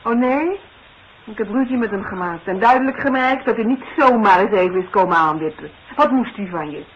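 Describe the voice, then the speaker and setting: A woman acts a suspicious, protective grown daughter in a vintage radio drama. She is blunt and probing, with a scolding edge, at a middling pitch. The recording is muffled and faintly hissy. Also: animated, fairly quick, close to an everyday voice. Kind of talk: 1960s Dutch radio play acting.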